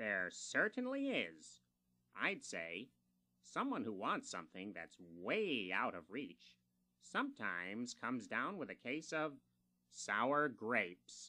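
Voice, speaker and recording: A man's cartoonish character voice, medium in pitch, at a fairly slow pace. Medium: puppet.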